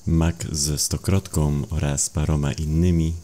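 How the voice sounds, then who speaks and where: A man narrates a horror tale in an extremely low, gravelly voice. His delivery is slow and brooding, with a dark, mellow tone. Faint ambient noise sits behind the storytelling. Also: level tone. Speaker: audiobook narrator. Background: atmospheric sound effects.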